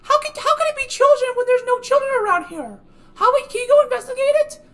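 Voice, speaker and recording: A performer voicing a panicky, whiny female animatronic chicken in a squeaky voice for an amateur cartoon skit. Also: fast talker, fairly bright tone. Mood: alarmed. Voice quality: squeaky, falsetto-like.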